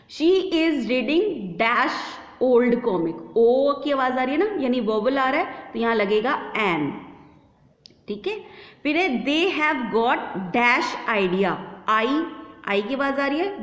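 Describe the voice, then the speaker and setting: A woman teaching a class, explaining patiently, repeating examples and asking rhetorical questions. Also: a little high. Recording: echoey lo-fi room recording.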